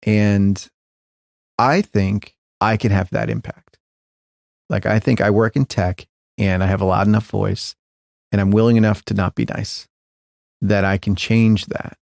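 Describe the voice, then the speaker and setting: A man's voice: fairly low pitch, steady tone, measured pace, gravelly, a little mellow, dry recording, clean studio sound. A middle-aged man, a tech founder guest in an interview, talking thoughtfully with many restarts and fillers. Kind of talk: reflective interview conversation.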